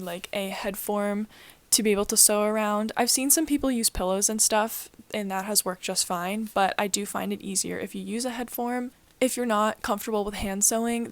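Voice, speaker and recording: A woman, sounding sniffly and talking through a crochet tutorial in a chatty, rambling way full of fillers. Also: medium pitch. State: sniffly with a cold. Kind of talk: casual spoken tutorial.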